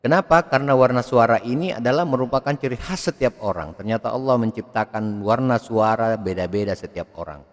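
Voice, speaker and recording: A man giving a video lecture on public speaking, expressive, swinging his pitch and loudness to demonstrate. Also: fairly quick, few pauses. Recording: long hall reverb.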